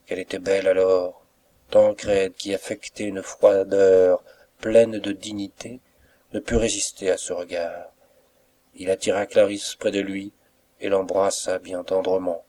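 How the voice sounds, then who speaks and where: Calm male audiobook narrator. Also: sits low. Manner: calm, measured reading. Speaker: audiobook reader. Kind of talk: scripted narration.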